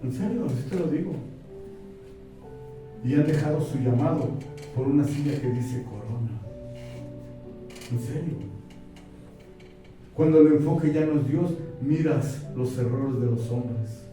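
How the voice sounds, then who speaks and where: A man's voice: mid-range voice, measured pace, pauses often, mellow. A man from Mexico preaching a sermon, putting rhetorical questions to his congregation and quoting scripture. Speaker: pastor. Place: church hall. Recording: echoey room, mic far off, faint music.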